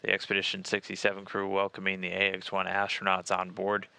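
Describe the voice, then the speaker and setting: Male live commentator, measured and explanatory, low-pitched, crisp-edged voice with vocal fry. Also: monotone, sharp tone. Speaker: mission broadcast commentator.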